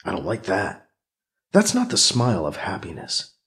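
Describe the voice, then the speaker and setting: A man's voice: sits low, wildly swooping pitch, moderate pace, fairly bright tone, pitched below the performer's own voice, full character voice. A man voicing a suspicious, sarcastic male Catholic priest with a wary, sardonic, terse way of talking, in a science fiction audiobook. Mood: wary, muttering.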